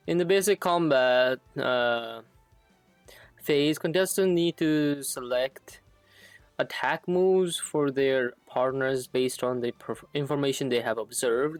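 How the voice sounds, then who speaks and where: A woman's voice: rumbling low, dry recording. Streamer: woman, casual game commentary and read-alouds, dry close sound, faint music behind.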